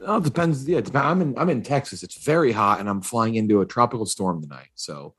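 A man hosting a podcast in casual banter, his voice raspy and hoarse from a cough and voice loss. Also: mid-range voice, lively intonation, quick pace, fairly bright tone, soft background music. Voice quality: very raspy, husky voice. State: hoarse from an allergic cough and lost voice. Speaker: podcast host.

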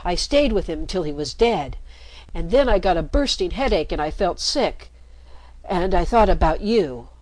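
A woman's voice: fairly low pitch, expressive, moderate pace, darkish tone, dry recording, poor audio. A woman voicing a crippled street boy who is shaken and grieving, speaking in a trembling voice. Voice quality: trembling, shaky.

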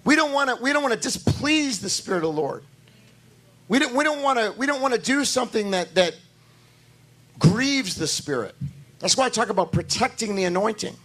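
Hoarse male pastor, high-pitched, repetitive and emphatic preaching style. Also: animated, fairly quick, fairly bright tone. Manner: talks to the congregation directly, asking for amens. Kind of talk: sermon.

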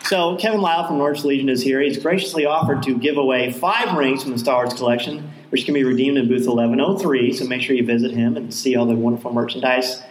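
A man's voice: mid-range voice, quick pace, hardly any pauses. A man hosting a live fan event, talking casually to guests and audience from a stage. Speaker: host of a live fan panel. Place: indoor convention stage before an audience. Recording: roomy live event space, background noise.

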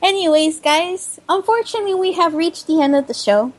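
Tired high-voiced woman host. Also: brisk. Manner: chatty, rambling sign-off. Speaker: podcast host. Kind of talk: casual chat.

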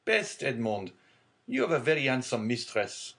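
A man reading aloud and voicing a genial, fatherly older shipowner in a hearty, booming manner. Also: sing-song, normal speed, creaky, fairly bright tone. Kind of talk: audiobook character reading.

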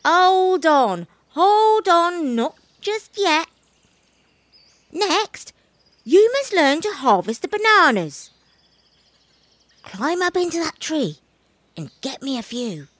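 A woman's voice: extremely high pitch, big pitch swings, takes it slowly, long pauses, fairly bright tone, no echo, pitched above the performer's own voice, heavily acted. Woman doing a teasing bossy monkey. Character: easygoing bossy male monkey.

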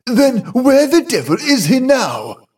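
A flustered elderly gentleman, head of a haunted household, as a male reader puts him on. He speaks slowly in a raised, husky voice, blustering and then ordering everyone about. The voice sits a little back from the mic. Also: high-pitched, expressive, distant mic, pitched above the performer's own voice, heavily acted. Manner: blustering, exclaiming, then commanding.

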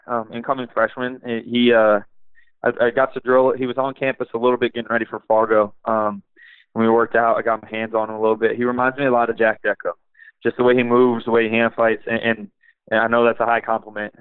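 A young man, an assistant wrestling coach, talking in a relaxed, rambling way with many fillers, in a podcast interview over a phone line. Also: medium pitch, quick pace, smooth, dry recording. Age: young adult.

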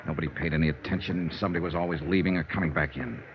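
An actor playing a hard-boiled insurance investigator, narrating tersely and steadily in a 1950s radio drama on an old dull recording. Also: male voice, extremely low pitch, racing, noisy background. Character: insurance investigator Johnny Dollar, calm narrator.

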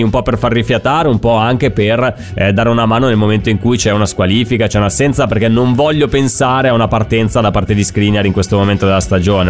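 A man hosting a football talk show, commenting conversationally in a wordy, reflective way. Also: mid-range voice.

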